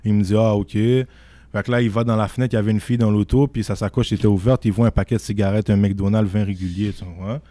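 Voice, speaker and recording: A man's voice: fairly low pitch, fast, no room sound, studio quality. A young man with a Québécois French accent, casually telling a story as a podcast guest and often asking "tu comprends?". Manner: animated, repeats "tu comprends?" often.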